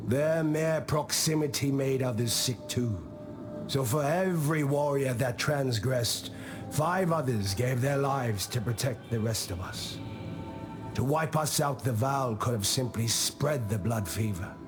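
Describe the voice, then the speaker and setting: An actor playing a wise old tribal diplomat in a video game, speaking in a measured, solemn and philosophical way, calm and patient with a gently stern edge. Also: male voice, mid-range voice, lightly acted. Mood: grave, reflective. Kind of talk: scripted video game character monologue. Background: music.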